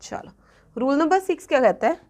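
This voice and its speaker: Brief: woman exam-coaching teacher, somewhat high voice, patient repeated examples. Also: expressive, a little mellow. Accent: Punjabi-influenced Hindi-English. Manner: checks in often with students, repeating examples slowly. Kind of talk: classroom grammar lesson.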